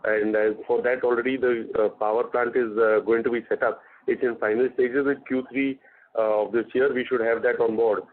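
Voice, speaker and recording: A man's voice: mid-range voice, little pitch movement, moderate pace. Indian man on a narrowband phone line. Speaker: company executive answering investors. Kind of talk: earnings call answers.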